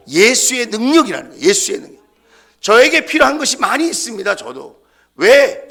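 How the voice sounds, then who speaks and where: A man preaches in a church with a high, sweeping voice that leaps about in pitch. He builds emphatic waves of repeated phrases, rising to shouts and dropping to hushed near-whispers. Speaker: senior pastor. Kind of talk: Wednesday prayer-meeting sermon. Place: church sanctuary.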